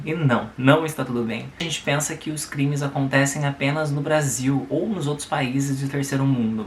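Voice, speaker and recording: A Brazilian YouTube host with a Brazilian Portuguese accent reads a viewer's letter aloud on his channel, adding chatty commentary and tag questions in a conversational manner. His mid-range voice sits in an echoey room with a little hiss or hum.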